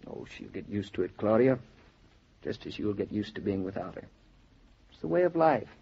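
An actor playing a gentle, earnest young newlywed husband in a 1940s radio drama. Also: male voice, fairly low pitch, sing-song, moderate pace, creaky, husky, heavily acted. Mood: tender. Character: David, young newlywed husband, tender and reassuring. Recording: dull 1940s radio transcription.

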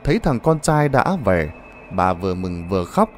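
A man's voice: deep voice, sing-song, normal speed, faint music behind. A man narrating a ghost story in a dramatic, suspenseful manner.

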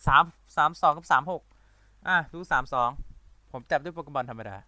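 A man giving excitable let's-play commentary, talking in rapid-fire bursts with playful loud exclamations. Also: on the high side, no room sound. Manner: rapid-fire talker who admits he talks too fast and runs out of breath. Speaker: gaming video creator.

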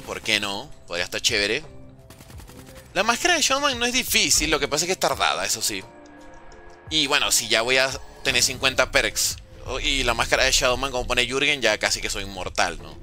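A young man with a Venezuelan accent softened by years in Mexico, casually chatting with viewers and answering their comments while he plays. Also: mid-range voice. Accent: Venezuelan Spanish softened by years in Mexico. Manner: chatty, slangy, answers viewers' chat aloud. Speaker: gaming streamer. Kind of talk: casual live-stream chat while gaming.

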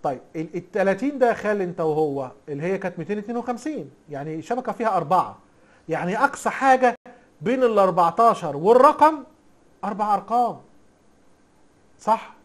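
In a recorded, relaxed lesson, a man with an Egyptian accent teaches IT in a high-pitched, animated voice at a quick pace. He's talkative and teasing, regularly posing rhetorical questions to the class.

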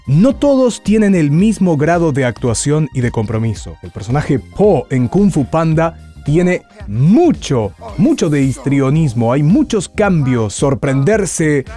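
A man's voice: on the high side, sing-song, a little slow, warm tone, faint music behind. A man giving a voice acting lesson, explaining step by step and demonstrating voices. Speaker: voice acting teacher.

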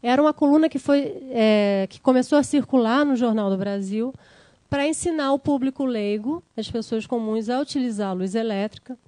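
A woman's voice: a little high, normal speed, dark tone, no echo. Woman lecturing in a dry room. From Brazil. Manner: explanatory, addresses audience with "tá?" and "né?". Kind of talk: academic lecture with slides.

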